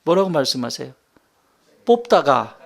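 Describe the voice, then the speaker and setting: Animated gravelly-voiced male pastor preaching. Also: fairly high pitch, normal speed. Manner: animated, repetitive, jumps between shouting and whispering. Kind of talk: sermon.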